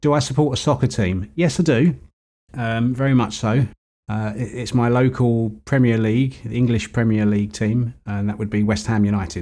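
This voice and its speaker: Speaking at a moderate pace, a man with medium pitch and a dark, mellow tone shows ordinary pitch variation on a very clean recording with a silent background. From England, Essex. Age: 40s. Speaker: tech YouTuber. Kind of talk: Q&A monologue to camera. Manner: halting, many fillers and repeats.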